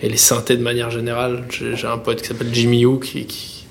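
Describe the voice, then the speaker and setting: French guy musician, gravelly low voice, flat delivery, lots of euh and restarts, faint hiss behind. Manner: halting, many fillers and restarts. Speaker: musician guest. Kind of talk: interview answers.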